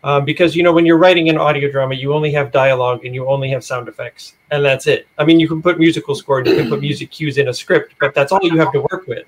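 A man with a fairly high voice for a male speaker talks as a podcast guest. He explains a writer's craft in an informal, conversational way. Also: steady tone, fast talker, few pauses, a little hiss or hum, rough recording. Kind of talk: casual explanatory talk.

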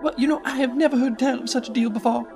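A woman's voice: steady tone, fast, gravelly. A woman doing a folksy gushing ad announcer. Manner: folksy, gushing pitch talk. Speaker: radio ad presenter. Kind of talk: old-time radio comedy ad. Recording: music bed under voice.

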